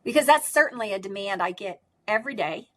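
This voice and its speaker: A woman's voice: mid-range voice, animated, fast talker, fairly bright tone. Emphatic woman with a strong voice. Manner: emphatic, often ends points with "right?". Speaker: speech pathologist and course instructor. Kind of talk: conversational interview answers.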